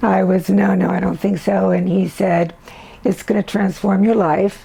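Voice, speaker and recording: A woman speaks with an American accent and very even loudness. Noticeable background noise runs underneath. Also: moderate pace. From US West Coast (Los Angeles). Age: 70s. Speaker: collage artist and model. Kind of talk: interview.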